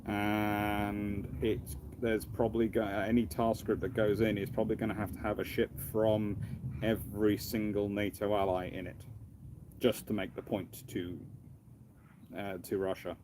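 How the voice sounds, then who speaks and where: A man hosting a casual live question-and-answer stream, thinking aloud in a halting, rambling way. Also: on the low side, flat delivery, background noise. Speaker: livestream host, naval historian. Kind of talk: casual live Q&A with off-the-cuff commentary.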